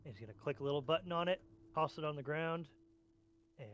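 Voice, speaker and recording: Tabletop player, man, slightly high voice, theatrical groaner. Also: brisk, a bit bright. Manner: dramatic groaning asides. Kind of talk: tabletop game play.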